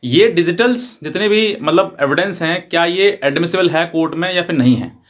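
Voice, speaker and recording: A man with a slightly high voice speaks as a lawyer giving advice. He explains step by step in an informal way, circling back over his points and mixing in English legal terms. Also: moderate pace. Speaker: advocate presenting legal advice videos.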